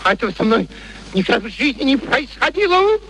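An actor playing an irascible, arrogant professor in a Russian radio play, blustering and exclamatory. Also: male voice, extremely high pitch, very animated, fairly quick, a bit bright, exaggerated voice. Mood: furious, wounded. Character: irascible, arrogant male professor Higgins, bullying and indignant. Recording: noisy old radio drama recording.

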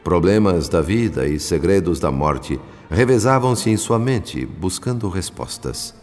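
An earnest spirit narrator of a radio drama. His Brazilian voice is deep and solemn, with formal literary phrasing, a long reverb and soft music underneath. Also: animated, measured pace. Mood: solemn, reflective.

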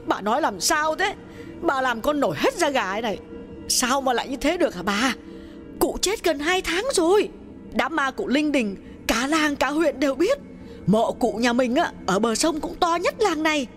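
A man's voice: very high-pitched, lively intonation, fairly quick, fairly bright tone, faint music behind, pitched above the performer's own voice. A man voicing a frightened young woman servant who exclaims and fusses over her injured mistress. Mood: alarmed. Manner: frantic, exclaiming, fussing.

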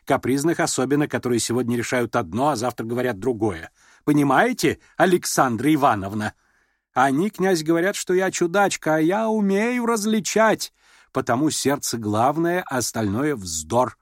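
A man voicing an imperious, sharp-tongued middle-aged noblewoman and mother, scolding and abrupt, in an audiobook. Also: mid-range voice, expressive, normal speed, no room sound, clean studio sound, pitched above the performer's own voice, lightly acted. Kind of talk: audiobook character reading.

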